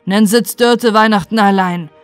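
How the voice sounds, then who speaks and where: A woman voicing a remorseful poor man and former thief who speaks haltingly and earnestly. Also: medium pitch, dry recording, faint music behind, close to an everyday voice.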